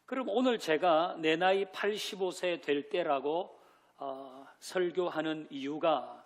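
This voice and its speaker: A man preaching a Sunday sermon as pastor, who asks the congregation questions, leads them in reading scripture and drops in light joking asides. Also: a little high. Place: church sanctuary.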